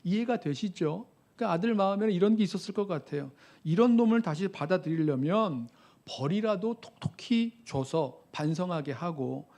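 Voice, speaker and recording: A man's voice: high-pitched, darkish tone. A man who is a pastor, delivering a sermon with earnest rhetorical questions to his congregation.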